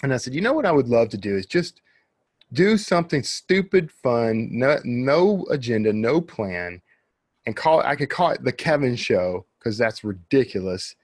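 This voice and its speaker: A man hosts a podcast in a loose, chatty way. His voice sits at a medium pitch for a male speaker, and the sound is dry with no room echo. The delivery is informal and conversational. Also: very animated, normal speed. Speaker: podcast host. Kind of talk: casual chatty interview.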